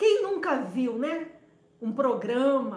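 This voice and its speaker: High-pitched woman's voice with audible room echo. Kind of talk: devotional talk.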